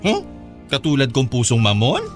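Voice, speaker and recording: A man's voice: medium pitch, huge pitch swings, normal speed, over music. An actor with a Filipino accent playing a tender, forgiving, flamboyantly gay middle-aged father in a radio drama, affectionate and consoling. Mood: teasing, affectionate.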